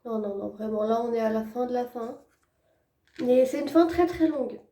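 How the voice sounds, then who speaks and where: A woman's voice: a little high, normal speed, mellow. A woman in her twenties chatting casually to her viewers, her voice stuffy and worn from a head cold, rambling with lots of fillers. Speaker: vlogger.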